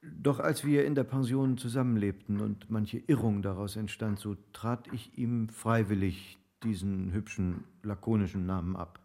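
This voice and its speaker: An actor playing a genial landed gentleman in a literary radio drama, with a formal way of speaking. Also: lowish voice, fairly even intonation, normal speed, vocal fry, few pauses. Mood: fondly reminiscing.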